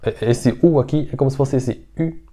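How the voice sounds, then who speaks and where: A man's voice: medium pitch, normal speed, warm tone. A man with a Brazilian Portuguese accent teaching an online Mandarin lesson, patiently repeating words and checking in with his students all the time.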